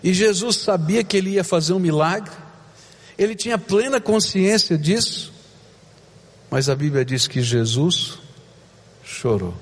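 A male pastor preaching a sermon, with dramatic swings between loud emphasis and hushed, slow moments. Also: high voice, expressive, in a large hall.

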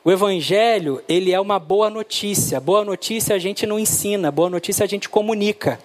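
A man, preaching a sermon and telling stories, acting out the dialogue with lively shifts. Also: high voice, brisk. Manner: animated, acts out dialogue with his son. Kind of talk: sermon with storytelling.

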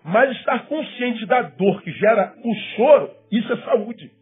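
A pastor preaches with passion, his voice riding high and pushing into sharp, emphatic questions before sinking to near whispers. The sound is thin and tinny like a phone line. Soft instrumental music hangs faintly behind him. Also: animated, measured pace. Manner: impassioned, rising to high emphatic questions then dropping to hushed asides. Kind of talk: sermon.

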